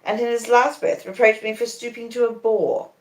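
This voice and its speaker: A woman's voice: a little high, fairly even intonation, normal speed, roomy sound, pitched above the performer's own voice, lightly acted, rough recording. A woman voicing a proud, aloof young society beauty with a dismissive manner in a story reading.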